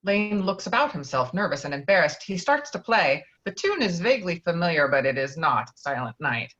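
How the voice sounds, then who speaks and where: Animated woman reading screenplay narration. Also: lowish voice, normal speed. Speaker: stage directions narrator. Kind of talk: scripted narration, screenplay table read. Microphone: virtual table read over video call. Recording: dull lo-fi video call audio.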